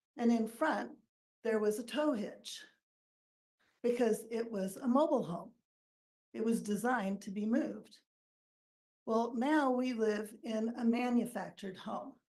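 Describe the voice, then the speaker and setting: With long, frequent pauses, a woman speaks fairly slowly in a dark, mellow tone with ordinary pitch variation and audible room echo. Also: fairly high pitch for a woman. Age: 70s. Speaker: public commenter. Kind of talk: personal testimony. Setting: council chamber.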